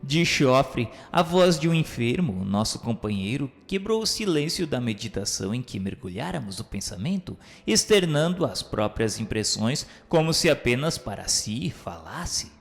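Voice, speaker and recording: A man's voice: medium pitch, sing-song, moderate pace, vocal fry, few pauses, faint music behind. An actor playing a brooding spirit who narrates his memoirs in a radio drama, with theatrical, ornate diction. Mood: brooding, dramatic. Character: male suicide spirit recounting his memoirs, brooding, literary. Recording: long hall reverb.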